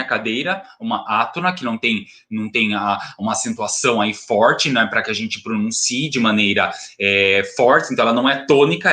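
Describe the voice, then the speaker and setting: Bright-voiced man teaching a grammar lesson. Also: mid-range voice. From Brazil. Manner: explanatory, asks questions and answers them himself, frequent "né" and "tá"; pauses on and repeats single words and word parts. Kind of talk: recorded remote grammar lesson.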